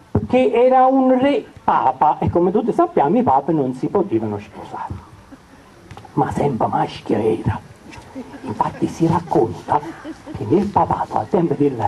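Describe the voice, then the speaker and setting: Against noticeable background noise, a man talks at a moderate pace with very wide pitch swings and long, frequent pauses. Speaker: comedian. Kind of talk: comic stage monologue. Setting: live theatre performance. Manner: ironic storytelling.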